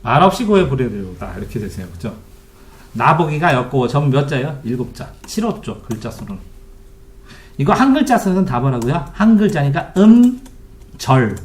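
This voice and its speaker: A man's voice: mid-range voice, sing-song, moderate pace. A middle-aged man tutoring Korean literature online, explaining terms and quizzing his students with repeated questions. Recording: echoey room, keyboard typing behind.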